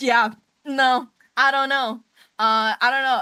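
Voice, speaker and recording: Quiet and bright with a sharp tone, a woman's fairly high voice moves with lively intonation on a very clean recording over a silent background. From Korea. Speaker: vtuber and voice actor. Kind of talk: debut livestream, casual chat. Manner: louder, put-on stream voice; quiet off stream.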